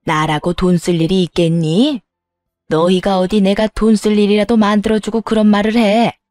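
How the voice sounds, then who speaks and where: A woman's voice: mid-range voice, fairly even intonation, moderate pace, a little mellow, no echo, studio quality, faint music behind, natural voice. A woman voicing an older mother-in-law who speaks in a firm, scolding, old-fashioned way. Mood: coaxing.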